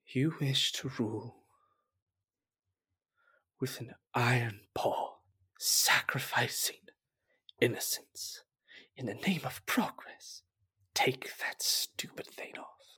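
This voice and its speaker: Using a raspy, put-on character voice at a medium pitch, a man speaks at a very slow pace with long, frequent pauses. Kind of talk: authoritative and straightforward. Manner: commanding.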